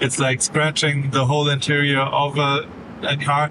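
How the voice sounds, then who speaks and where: Speaking with a German accent, a man talks at a moderate pace and fairly high pitch against noticeable background noise. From Germany. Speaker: podcast host. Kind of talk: casual chat. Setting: airplane cabin. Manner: loud, shouting over noise.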